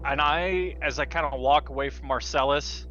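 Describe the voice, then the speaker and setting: A man's voice: a little high, normal speed, sharp tone. A man playing a tabletop role-playing game, casually narrating his character's moves and asking questions. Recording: slightly dull audio with music behind.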